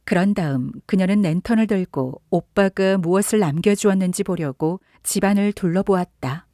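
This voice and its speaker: Woman reading a novel aloud, steady and calm, dry close sound. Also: medium pitch, dry recording. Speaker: audiobook narrator. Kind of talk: literary audiobook narration.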